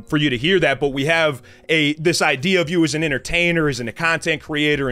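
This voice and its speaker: A man's voice: a little high, pushed and bright, no room sound. A man hosting a casual podcast interview, talking in a loose, slangy, rambling way with lots of restarts. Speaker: podcast host.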